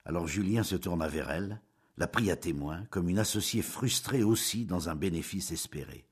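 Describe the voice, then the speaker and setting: Deep husky male audiobook narrator. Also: normal speed. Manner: expressive, dramatic storytelling. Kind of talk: literary audiobook reading.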